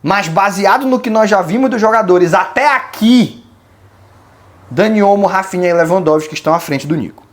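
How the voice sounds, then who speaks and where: A channel host from Belém do Pará, Brazil, with a Brazilian accent and a mid-range voice, answers viewer questions in relaxed, colloquial commentary at a moderate pace. Opinionated, the host reasons aloud as the argument builds, like an informal chat with the audience.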